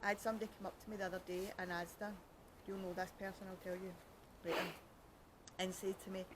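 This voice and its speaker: A woman's voice: medium pitch, flat delivery, quick pace, heavy background noise. Chatty Glaswegian woman outdoors. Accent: Glaswegian Scottish. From Scotland. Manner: chatty, joking, self-mocking, rambling. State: cold, fingers freezing. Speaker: podcast host. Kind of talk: casual chat. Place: outdoors by a canal at night.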